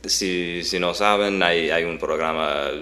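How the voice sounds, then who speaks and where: A man's voice: low-pitched, steady tone, slow, sharp tone. A young man whose first language is English, speaking Spanish hesitantly with many restarts and fillers while co-hosting a podcast. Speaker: podcast co-host. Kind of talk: casual chat. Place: Boston.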